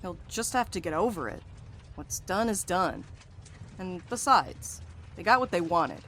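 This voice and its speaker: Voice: medium pitch, animated, unhurried, bright, forceful tone, a little hiss or hum. A performer playing a blunt, wry and loyal tough companion in an audio drama. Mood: wry, confident.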